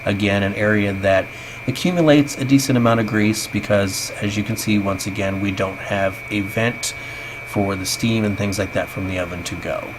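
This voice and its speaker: A man in his thirties narrating a casual, chatty, self-deprecating vlog voice-over on a basic home microphone, sounding tinny, as if through a tin can. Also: on the low side. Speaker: vlogger. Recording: tinny home voice-over, clear background noise.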